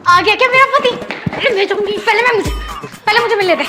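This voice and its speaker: A woman's voice: very high voice, fast talker, music in the background. A woman playing a quarrelsome village wife in a comedy sketch, speaking in a bossy, scolding way. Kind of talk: rural comedy sketch acting.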